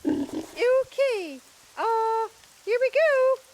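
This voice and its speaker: A woman voicing a fussy, excitable storybook monarch in a puppet show, bossy and full of exclamations. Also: extremely high pitch, very slow, noisy background, full character voice. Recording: puppet show with music behind.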